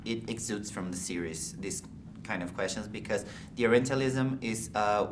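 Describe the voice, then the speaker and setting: A woman from Brazil, asking interview questions in a quick, chatty way. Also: rumbling low, background noise. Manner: chatty, quick, laughs often.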